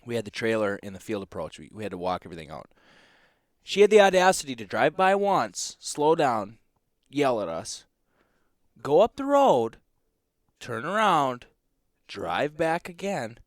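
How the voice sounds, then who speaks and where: A young man, a competition duck caller, chatting casually and telling animated stories, mimicking the people he mocks. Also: medium pitch, measured pace, long pauses, no room sound, clean studio sound. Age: young adult. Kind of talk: casual chat.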